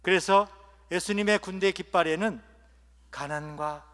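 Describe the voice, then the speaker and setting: A man preaching as a bishop at an ordination, telling humorous stories and letting his phrases trail off softly at their ends. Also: high voice, unhurried. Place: large cathedral. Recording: long cathedral reverb.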